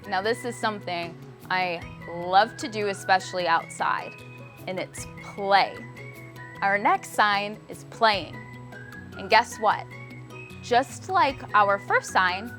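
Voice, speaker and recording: A woman with a mid-pitched voice leads a children's lesson. She gives simple step-by-step instructions and encouraging praise, with music playing behind her. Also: expressive, slow pace, sharp tone. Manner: encouraging, simple talk addressed to young viewers. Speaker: sign language teacher for children.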